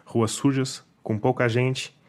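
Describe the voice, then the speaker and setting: A man's voice: medium pitch, flat delivery, slow, background noise. A Brazilian man hosting a podcast, reading scripted documentary narration over a music bed.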